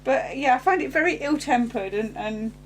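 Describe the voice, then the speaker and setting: A woman's voice: a little high, lively intonation, normal speed, a little hiss or hum. A woman, co-hosting a casual chat about a sitcom and often chiming in with short agreements. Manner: supportive listener, frequent short agreements. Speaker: podcast co-host.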